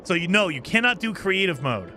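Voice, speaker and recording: A man's voice: high voice, sing-song, fairly quick, bright, forceful tone, soft background music. A man streaming a game live, upbeat and chatty, thanking viewers by name and explaining the rules, his voice a little scratchy from days of streaming. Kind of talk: casual live-stream chat and gameplay commentary.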